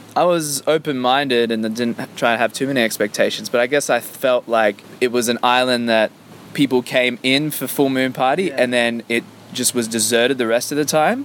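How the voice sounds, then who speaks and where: A man speaks in a normal speaking voice at medium pitch. His pace is moderate and his intonation fairly even. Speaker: podcast host. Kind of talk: casual interview chat. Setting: outdoors at a beach bar. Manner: casual, friendly.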